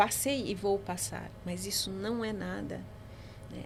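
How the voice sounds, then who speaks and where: Amid audible room echo, a woman speaks at a fairly slow pace. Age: 60s. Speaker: clinical psychologist and spiritual therapist. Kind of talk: testimony. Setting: podcast recording.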